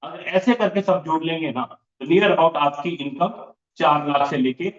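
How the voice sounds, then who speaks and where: A man's voice: a little high, unhurried. Man teaching sums over a roomy call. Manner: repetitive, walks through sums step by step. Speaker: business trainer. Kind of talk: online training session explaining income plans. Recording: roomy, dull lo-fi online call audio.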